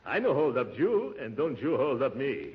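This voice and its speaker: A man voicing a grandly self-important fake Brazilian baritone in a put-on accent, speaking broken English in 1940s radio comedy style. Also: huge pitch swings, normal speed, music in the background. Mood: pompous. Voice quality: broken English, theatrical and pompous. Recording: hissy, muffled old radio broadcast.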